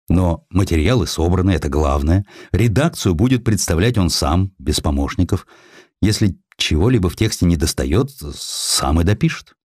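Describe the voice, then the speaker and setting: A man narrates a historical story in a fairly low voice. His delivery is theatrical and wry, with very animated intonation. The sound is dry and close. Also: dry recording. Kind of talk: expressive scripted narration of historical prose.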